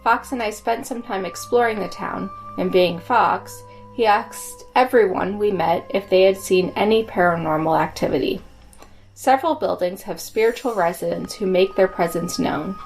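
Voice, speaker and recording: A woman's voice: mid-range voice, normal speed, rough recording. A woman co-hosting a podcast, reading scripted ghost stories with music behind her. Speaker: podcast co-host. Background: background music.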